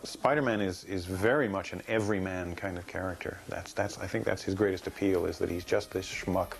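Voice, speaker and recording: Animated man with a gravelly bass voice. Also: fairly quick, a little hiss or hum. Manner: animated, enthusiastic. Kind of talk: documentary interview commentary.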